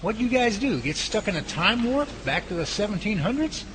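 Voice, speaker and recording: A man acting a wisecracking, incredulous teammate in an audio drama. His voice is high and very lively in pitch. Background noise is clearly audible. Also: normal speed. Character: incredulous, wisecracking male member of a research team.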